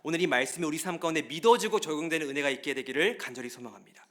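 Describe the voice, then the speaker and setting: A man preaching a sermon as pastor, telling stories in a lively way and speaking straight to the congregation in a church. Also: a little high, racing. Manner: lively storytelling, often addresses the congregation directly. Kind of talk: Wednesday service sermon. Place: church sanctuary.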